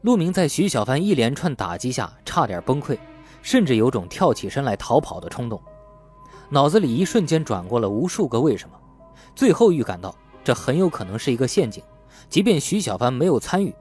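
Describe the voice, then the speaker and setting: A man's voice: mid-range voice, sing-song, fairly quick, a little mellow. A man narrating a crime novel as a scripted audiobook, in a storyteller's delivery. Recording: faint music bed under the voice. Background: faint background music.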